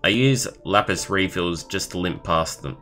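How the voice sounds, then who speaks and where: A young man live streaming, reading a story aloud in a halting way and adding casual comments of his own. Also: low voice, bright, forceful tone. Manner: halting, stumbling over words while reading. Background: background music.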